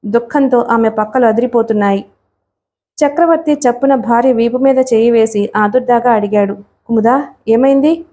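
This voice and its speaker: A woman narrating a novel in a steady, measured storytelling voice. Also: fairly high pitch. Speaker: audiobook narrator.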